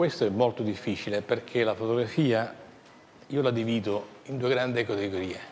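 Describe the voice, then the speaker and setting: Pitched in the medium range, a man talks in an unremarkable speaking voice, his pitch varying in an ordinary way. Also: moderate pace. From Sicily. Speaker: photographer and photography critic. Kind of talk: interview. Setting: festival venue near the beach.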